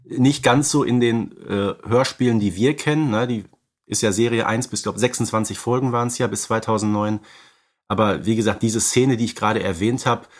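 A man's voice: lowish voice, normal speed. A man co-hosting a film analysis podcast, talking conversationally and emphatically, repeating words for stress. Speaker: podcast co-host.

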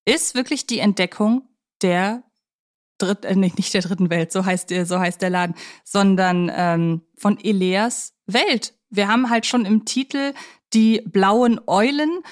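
A woman co-hosting a podcast, talking through films in a reflective, halting way with long winding sentences. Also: medium pitch. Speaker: podcast co-host. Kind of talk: conversational film discussion.

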